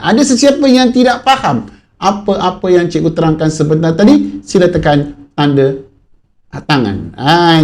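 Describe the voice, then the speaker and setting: A man with a Malaysian Malay accent teaching an online primary school class, keeping it animated and questioning his pupils. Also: sits high.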